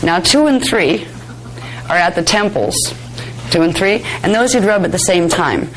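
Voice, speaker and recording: A woman with a slightly hoarse, raspy voice giving an informal workshop lecture in a chatty, conversational manner. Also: fairly low pitch, lively intonation, normal speed, low-quality recording. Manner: conversational, chatty, self-deprecating asides. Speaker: workshop instructor. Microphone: worn or held microphone close to the face.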